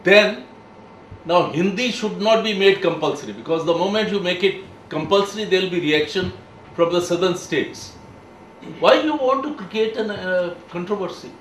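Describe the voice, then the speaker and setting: Man arguing his point with pauses, recorded far off in a roomy space, faint hum behind. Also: high voice, lively intonation. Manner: opinionated, emphatic, with pauses. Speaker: panel discussant. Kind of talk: discussion in a group session. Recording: echoey room, distant mic, faint background.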